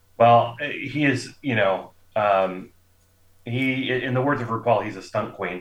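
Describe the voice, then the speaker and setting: A man talks in a plain, everyday voice. It sits at medium pitch with ordinary pitch variation. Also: fairly slow pace. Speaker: political commentator. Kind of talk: casual political talk.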